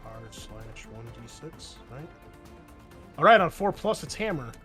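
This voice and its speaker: A man's voice: on the high side, big pitch swings, measured pace, pushed and bright, faint music behind. A man working as game master, narrating and refereeing a tabletop roleplaying game in a casual way.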